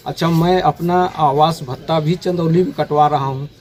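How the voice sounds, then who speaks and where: A middle-aged man, a government officer explaining himself haltingly and repetitively in an interview. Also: fairly high pitch, steady tone, a little mellow. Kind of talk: spontaneous interview answers. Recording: noisy location recording with birdsong.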